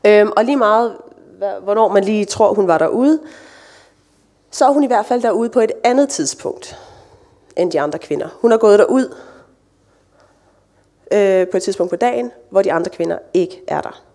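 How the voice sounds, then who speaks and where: Mellow-voiced woman giving a sermon. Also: mid-range voice, pauses often. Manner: relaxed, conversational, with light asides. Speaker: church speaker. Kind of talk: sermon with scripture reading.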